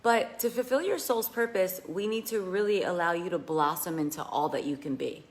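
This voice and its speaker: A slightly raspy woman giving an earnest coaching talk on a live video, asking her listeners questions. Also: lowish voice, normal speed. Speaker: money mindset coach. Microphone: phone held in hand.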